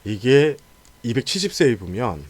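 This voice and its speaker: A man hosting a sports talk show, speaking colloquially in a lively, casual way with frequent interjections. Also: medium pitch, normal speed, breathy edge.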